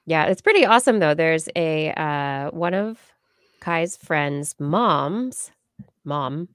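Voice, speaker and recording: A woman's voice: deep voice, animated, takes it slowly, smooth, no room sound. A middle-aged American woman hosting a casual livestream chat, playful and rambling, talking close into a large microphone. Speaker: podcast host. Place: indoors on a video call. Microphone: large microphone on a boom arm, close up.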